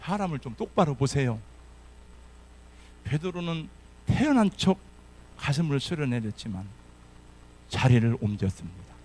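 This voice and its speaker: Expressive preaching man, lively pitch. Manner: dramatic storytelling, acting out Bible characters' lines. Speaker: pastor. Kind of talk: sermon.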